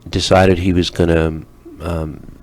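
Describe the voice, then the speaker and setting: A man hosting a local radio talk show, chatting casually with guests and filling pauses with ums. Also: deep voice. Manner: relaxed, chatty with many ums.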